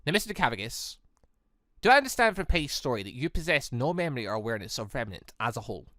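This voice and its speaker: A game streamer doing a measured, lower-pitched formal headmaster. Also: big pitch swings, pushed and bright, dry recording, clean studio sound. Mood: probing. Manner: deliberate, formal, probing. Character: calm, measured, formal male school headmaster.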